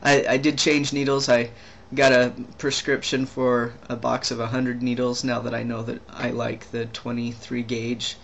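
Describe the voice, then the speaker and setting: A young trans man talking casually in a video diary, rambling and halting with many restarts and fillers. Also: mid-range voice, flat delivery, vocal fry, a bit bright, a little hiss or hum. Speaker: vlogger.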